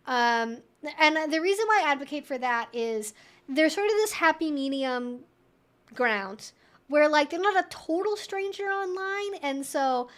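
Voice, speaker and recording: High-pitched woman chatting on a livestream. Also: animated, unhurried, fairly bright tone. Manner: chatty, rambling, informal asides. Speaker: livestream host answering viewer questions. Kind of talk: casual chat, Q&A livestream.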